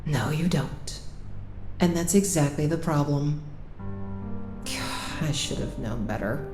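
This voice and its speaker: A woman's voice: slow pace, over music. An actress with an American accent playing a fierce, wounded young woman with a sarcastic, emphatic way of talking in an audio drama. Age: young adult. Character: fierce, wounded young woman lawyer scolding old friend. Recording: roomy sound with faint rumble.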